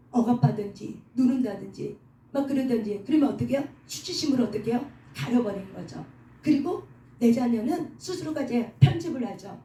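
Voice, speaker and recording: A middle-aged woman with a fairly high, mellow voice preaches a sermon in an indoor prayer hall, repeatedly posing rhetorical questions and having the congregation echo lines back to her. The hall is echoey, her voice sounds distant, and there is faint background noise.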